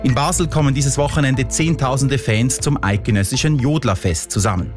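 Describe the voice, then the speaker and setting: A man's voice: medium pitch, a little fast, music in the background. A man with a Swiss German accent presenting scripted radio news as the programme's host.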